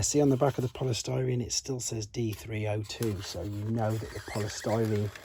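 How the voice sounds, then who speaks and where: Guy with a lowish soft dark husky voice, chatty toy reviewer thinking out loud. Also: a little hiss or hum. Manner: chatty, thinking aloud while handling items. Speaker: toy collector and reviewer, channel host. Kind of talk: unscripted hands-on toy review, casual commentary.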